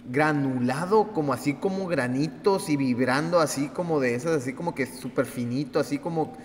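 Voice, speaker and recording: A man with a Mexican Spanish accent, a podcast host telling a story casually, full of fillers and animated retelling. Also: fairly high pitch, normal speed, in a large hall, a little hiss or hum.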